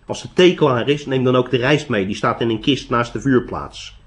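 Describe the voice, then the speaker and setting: A man voicing a gruff, blunt old hermit with a white beard who teases with sharp questions. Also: medium pitch, moderate pace, lightly acted.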